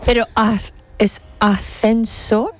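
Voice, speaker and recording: A woman's voice: a little high, little pitch movement, slow pace. A woman speaking Spanish as a second language with a foreign accent, chatting casually. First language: not Spanish. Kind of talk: casual chat.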